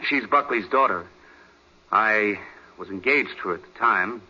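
A dull vintage radio recording of a resentful young American man. His voice is very sharp and forceful with a husky edge, bitter and boastful. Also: lowish voice, unhurried, full character voice. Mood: boastful, confiding. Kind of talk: 1940s radio drama acting.

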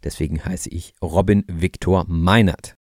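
A man in his thirties from northern Germany, hosting a podcast for German learners in calm, clear, deliberate narration. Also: low-pitched, no room sound, studio quality. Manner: calm, explanatory, easygoing. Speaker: podcast host teaching German.

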